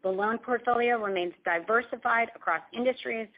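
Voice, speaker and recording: A woman company executive reading a scripted earnings call presentation in a formal, measured corporate manner. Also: a little high. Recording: dull, band-limited conference call audio.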